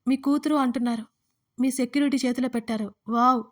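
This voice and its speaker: A woman voicing a furious, desperate mother who shouts threats and accusations in a dramatic audio story. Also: a little high, fairly even intonation, a little fast, lightly acted. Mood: furious, threatening.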